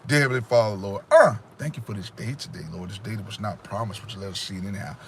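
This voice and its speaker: A man's voice: fairly low pitch, fast, slight background noise. A man hosting a casual livestream, giving emphatic, preachy life advice straight to his viewers. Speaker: livestream host. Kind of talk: casual motivational livestream talk. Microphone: phone or webcam in front of him.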